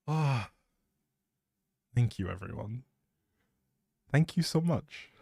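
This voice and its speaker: A man's voice: on the low side, a little mellow, dry recording, clean studio sound. A man hosting a gaming livestream, rambling casually in a giggly, flustered, scattered way.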